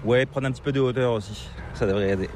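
A man from Brittany with a French accent tinged by Quebec, chatting casually and relaxed with many fillers. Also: medium pitch, fast talker. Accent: French with Quebec touches. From Brittany, France. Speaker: interviewee. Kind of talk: casual conversation. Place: outdoors by a road. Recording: outdoor traffic noise.

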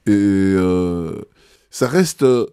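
Hesitant man with a low mellow voice. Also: expressive, very slow, clean tone, dry recording, studio quality. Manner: hesitant, many "euh" fillers and restarts. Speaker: church leader interviewed on choirs. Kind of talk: reflective interview answers.

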